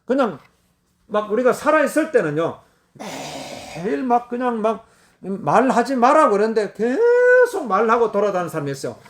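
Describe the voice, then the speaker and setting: A middle-aged man preaching with a high, very animated voice that swings from hushed repetitions to sudden loud cries. He drives each point home with emphatic, repeated phrases. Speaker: pastor. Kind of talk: sermon.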